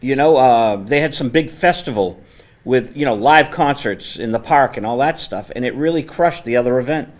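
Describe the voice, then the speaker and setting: A man hosting a casual studio interview, speaking with a naturally loud, conversational voice into a microphone set on the table. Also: mid-range voice, moderate pace. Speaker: host. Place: community access TV studio.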